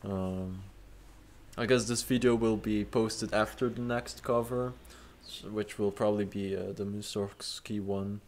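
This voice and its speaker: A young man with a slightly low voice hosts an unscripted chat. He rambles loosely, stacks up fillers and restarts, and swears in passing. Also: steady tone, a little slow, a little mellow. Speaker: host. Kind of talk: improvised casual commentary.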